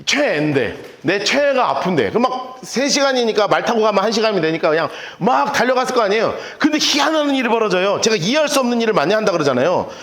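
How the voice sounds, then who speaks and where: A man preaching a casual, playful sermon as pastor, acting out the people in his stories with quick little voices. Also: sits high, sing-song, fairly bright tone, echoey room. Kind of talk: lively sermon. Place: church sanctuary.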